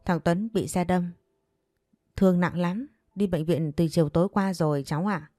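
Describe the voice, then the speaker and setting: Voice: mid-range voice, fairly even intonation, moderate pace, dark tone, no echo, studio quality, faint music behind, natural voice. A woman voicing a worried elderly neighbor who speaks kindly and with concern.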